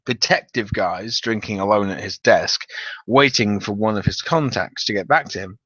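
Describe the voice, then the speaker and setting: A man's voice: fairly low pitch, normal speed, breathy edge. A man giving a theatrical, wry dramatic reading of a humorous gaming story as its narrator. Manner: theatrical, animated, wry delivery with profanity. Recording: dull, roomy home recording.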